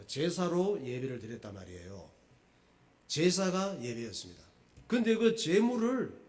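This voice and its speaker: A male pastor preaching a sermon, telling the story in a colloquial way with jokes. His voice sits high. His pitch swings widely as he talks. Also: a little mellow.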